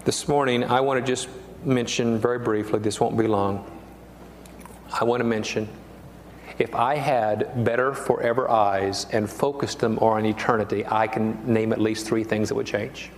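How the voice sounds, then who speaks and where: A man's voice: fairly low pitch, fairly even intonation, normal speed, slight background noise. An older man, a pastor, preaching a sermon in an earnest, emphatic way and repeating his key phrases. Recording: echoey hall reverb, faint ambience.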